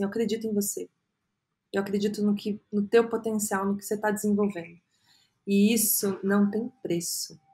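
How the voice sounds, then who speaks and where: A woman in her thirties with a Brazilian Portuguese accent, a podcast guest telling her career story earnestly and often filling pauses with "é". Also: mid-range voice. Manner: earnest, storytelling, frequent "é" fillers. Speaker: guest, agency co-founder. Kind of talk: reflective podcast interview.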